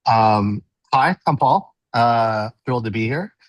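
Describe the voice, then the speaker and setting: A man in his fifties with an American accent, giving a relaxed, chatty self-introduction on a live online panel with plenty of "uh"s. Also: medium pitch, slow pace, dry recording, highs cut off. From United States. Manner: relaxed, chatty, hesitant with many fillers. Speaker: venture capital panelist.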